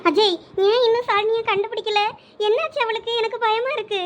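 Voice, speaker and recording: A woman's voice: very high voice, fairly quick. A woman voicing an anxious, tearful young wife in a comedy skit, with a pleading, fretful manner. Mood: fearful. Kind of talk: comedy skit role-play.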